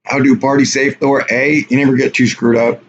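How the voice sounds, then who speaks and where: Man, mid-pitch, casual livestream host, rambling and offhand, dull lo-fi audio with faint hiss. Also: flat delivery, brisk. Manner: rambling, offhand, reads chat aloud. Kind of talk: casual live stream chat with viewers.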